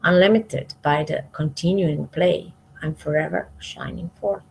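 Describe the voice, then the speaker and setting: Slow, low-voiced woman reading sacred verse. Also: vocal fry, a little hiss or hum, rough recording. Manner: measured, pausing between short phrases, phrase endings trailing off softly. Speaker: reader of spiritual scripture, commenting as she goes.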